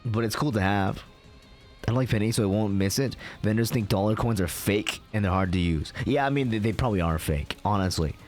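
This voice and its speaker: A man's voice: fairly low pitch, brisk, soft background music. A young man from Canada ranting casually on a live stream, swearing often and filling his talk with "like".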